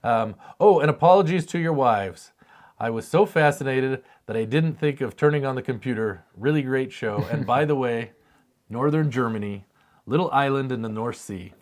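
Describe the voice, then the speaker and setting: A man's voice: medium pitch, normal speed. A man with an American accent in casual, jokey conversation as a co-host reading out viewer questions. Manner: self-deprecating, jokey. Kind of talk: casual chat.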